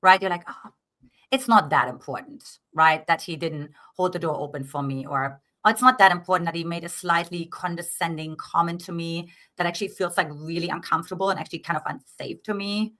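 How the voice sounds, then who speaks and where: Bright-voiced German-accented woman coach. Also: lowish voice, brisk. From Eastern Germany. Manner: earnest, explanatory, frequent "right?" tags. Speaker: dating coach guest. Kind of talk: interview, coaching talk.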